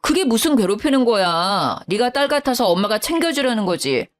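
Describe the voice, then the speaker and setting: A woman's voice: fairly high pitch, sing-song, fairly quick, soft background music. A woman voicing a defensive young husband who reproaches his wife. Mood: reproachful. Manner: irritated, reproachful.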